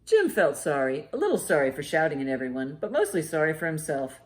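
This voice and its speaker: A woman with a slightly low voice leads a children's storytime. Her delivery is expressive and very varied in pitch, speaking straight to small children. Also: brisk, echoey room. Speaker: children's library storytime presenter. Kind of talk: picture-book storytelling and instruction for young children.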